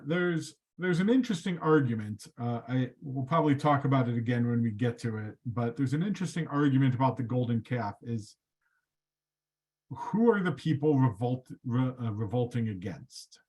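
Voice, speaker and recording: A man teaching a study group, explaining texts in a lively, conversational way. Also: medium pitch, moderate pace.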